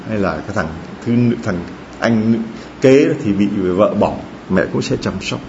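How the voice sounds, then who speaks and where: A male Catholic priest preaching a sermon in an animated way, asking rhetorical questions and acting out quotes. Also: on the low side, a little slow, lo-fi sound, slight background noise.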